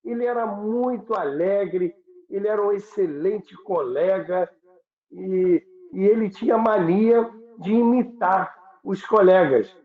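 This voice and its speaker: A man with a Brazilian accent telling stories conversationally as a radio history commentator, stressing points through repetition and lists. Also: sits high. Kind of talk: conversational storytelling. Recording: thin phone-like sound, roomy echo.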